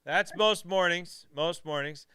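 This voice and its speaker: A man's voice: high voice, unhurried, pushed and bright, smooth, no room sound, studio quality. A man hosting a casual live show, introducing guests with upbeat enthusiasm. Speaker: host.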